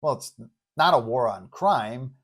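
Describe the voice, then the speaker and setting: A confident male superhero, acted by a man telling the story. He speaks in a medium-pitched voice, breezy and colloquial, with a well-meaning streak. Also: expressive, measured pace. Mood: earnest, casual.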